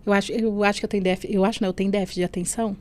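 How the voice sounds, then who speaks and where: A woman from Brazil shares her faith testimony on a podcast in an earnest, heartfelt conversational voice. She keeps checking in with her listener with little "né?" tags. Her pitch sits in the middle range for a woman. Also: steady tone, rapid-fire, a little mellow. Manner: earnest, often adds "né?" and "assim". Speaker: guest telling her testimony. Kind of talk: emotional personal testimony in a podcast interview.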